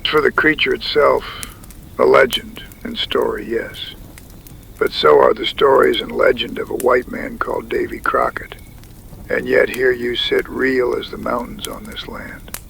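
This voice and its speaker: A man playing a wise, solemn Native tribal chief in a frontier audio drama, speaking gravely with a breathy, gravelly voice that often drops to a whisper. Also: mid-range voice, flat delivery, fairly bright tone, slight background noise, poor audio. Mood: grave, mystical. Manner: slow, measured, grave pronouncements.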